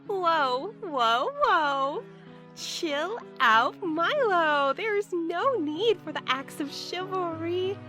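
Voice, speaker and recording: Woman acting chirpy, high, teasing troublemaker. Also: animated, very slow, pushed and bright, soft background music, heavily acted. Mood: playful, teasing. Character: playful, teasing, chirpy female frenemy. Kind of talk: audio drama acting.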